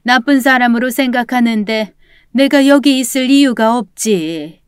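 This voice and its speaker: A woman's voice: on the high side, a little slow, clean tone, no room sound, studio quality, natural voice. A woman voicing a sly, stubborn old female con artist who scolds and blames others, in a storybook drama. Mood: aggrieved.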